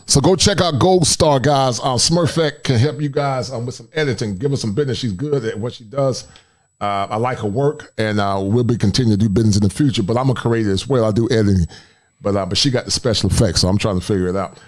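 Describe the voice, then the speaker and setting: Male podcast host, mid-pitched and easygoing, does shout-outs and asks questions. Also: quick pace. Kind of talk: casual podcast chat.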